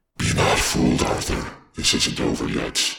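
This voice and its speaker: At a moderate pace, a man puts on a raspy character voice. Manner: chilling, menacing.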